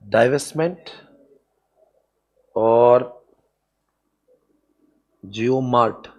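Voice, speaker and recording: A man's voice: mid-range voice, very slow. A man giving a classroom lecture on business strategy to students, playful and joking, often breaking into laughter. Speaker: commerce exam lecturer.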